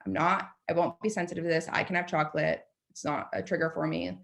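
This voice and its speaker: A woman in her late twenties, a podcast guest, telling a story in a chatty, animated way and filling her speech with "like.". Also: low-pitched, quick pace, gravelly. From United States. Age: 20s. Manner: chatty, animated, lots of "like" fillers. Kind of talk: casual storytelling.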